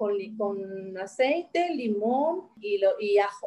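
Very slow female speech, fairly high-pitched, its pitch rising and falling a normal amount. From Mexico, Cancún, Quintana Roo. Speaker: chef and culinary consultant. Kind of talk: interview. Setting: remote call from Acapulco.

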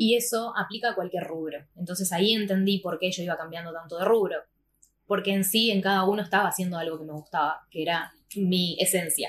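Fairly quick and fairly even in intonation, a woman speaks with a Rioplatense accent. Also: medium pitch for a woman. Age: 30s. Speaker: holistic therapist and podcast host. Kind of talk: motivational livestream talk. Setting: live stream.

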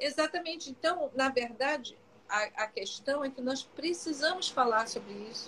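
Over noticeable background noise, a woman speaks at a high pitch and moderate pace, with big swings in loudness. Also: lively intonation. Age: 60s. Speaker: psychologist, writer and speaker. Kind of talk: podcast interview.

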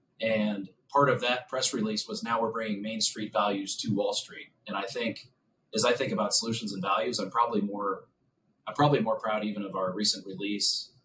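An unremarkable speaking voice in an American accent, at a fairly quick pace with fairly even intonation. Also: man, medium pitch for a man. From Nebraska, US Midwest. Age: 40s. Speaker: investment banking CEO. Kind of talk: interview conversation.

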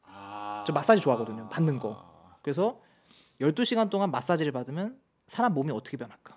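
A man speaks with very wide pitch swings. His loudness swings widely too. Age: 30s. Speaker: fitness YouTuber. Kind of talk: casual chat.

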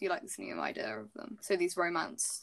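With a British accent, a woman speaks in a bright, sharp tone with ordinary pitch variation. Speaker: podcast host. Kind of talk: casual chat.

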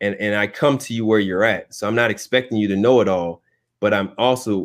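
A man speaks with an American accent at a moderate pace. He has an ordinary speaking voice, a fairly low pitch and fairly even intonation. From Germany (US military family). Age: 40s. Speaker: former Olympic sprinter. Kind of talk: casual chat.

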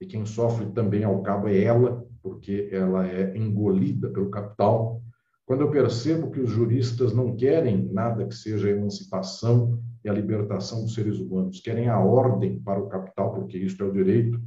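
At a moderate pace, a man talks with a fairly low pitch, vocal fry and a dark, mellow tone. His pitch varies in an ordinary way, and audible room echo surrounds the voice. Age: 40s. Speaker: law professor and author. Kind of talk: lecture. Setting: online event. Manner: formal.

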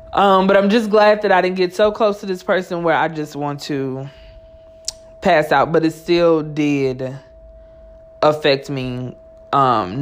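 Amid noticeable background noise, a woman speaks at a fairly slow pace. Her intonation is lively, with long, frequent pauses. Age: 20s. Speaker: podcast host. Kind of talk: casual monologue. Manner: hesitant, many fillers.

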